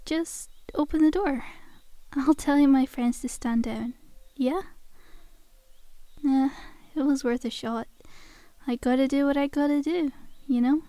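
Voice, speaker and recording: A woman's voice: high-pitched, unhurried, dark tone, no room sound. A woman playing a friendly, sly zombie girl in an ASMR roleplay, coaxing a survivor in a chummy, casual, faux-innocent way. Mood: chummy, persuasive.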